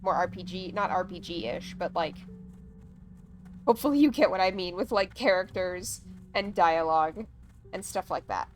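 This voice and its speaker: A woman's voice: fairly low pitch, animated, normal speed. A woman chatting casually on a gaming livestream, rambling along with plenty of "like" and "um". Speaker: streamer.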